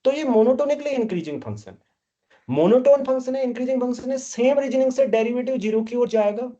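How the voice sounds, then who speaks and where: A man's voice: very high-pitched, expressive, quick pace, mellow, lo-fi sound. A man teaching math to a class, scolding and quizzing the students as he goes. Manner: scolding, keeps questioning students. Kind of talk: classroom lecture.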